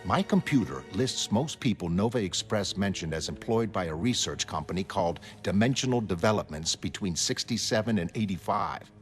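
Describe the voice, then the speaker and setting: A man's voice: low voice, lively intonation, normal speed, hardly any pauses. A man playing an earnest, analytical middle-aged former hero laying out his reasoning. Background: music.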